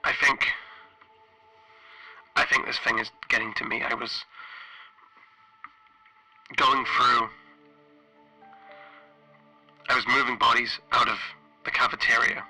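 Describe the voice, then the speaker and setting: A man playing a weary, guilt-ridden stranded flight engineer, recording a halting, hesitant horror roleplay log with a radio-like sound. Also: medium pitch, little pitch movement, pushed and bright, poor audio. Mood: shaken, regretful. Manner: halting, hesitant, self-questioning. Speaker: solo tabletop RPG player. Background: music.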